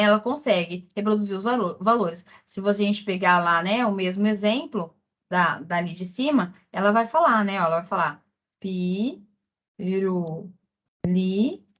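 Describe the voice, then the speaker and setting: A woman with a Brazilian Portuguese accent teaches an exam-prep lesson at a mid pitch. She talks slowly, repeating words and tagging lines with little check-ins. The audio is a bit dull and lo-fi. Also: a bit bright. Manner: explains slowly with many fillers and repeated words.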